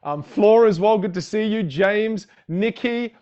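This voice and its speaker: A man's voice: sits high, unhurried, a little mellow, clean tone, lo-fi sound. A man whose first language is a Chinese dialect teaches public speaking in a live online masterclass, upbeat and greeting viewers in the chat.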